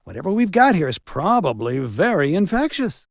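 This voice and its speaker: Wildly animated, sarcastic village doctor. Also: male voice, high voice, moderate pace, creaky, full character voice. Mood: scornful. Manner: sardonic, theatrical, wisecracking. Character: sarcastic village doctor and coroner, self-styled man of science. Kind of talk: video game character acting.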